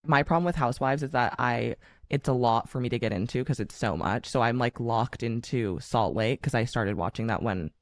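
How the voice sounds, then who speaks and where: Male podcast host, mid-pitched, upbeat interviewer, close dry mic. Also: no room sound. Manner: upbeat, quick to agree and laugh. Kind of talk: casual interview chat.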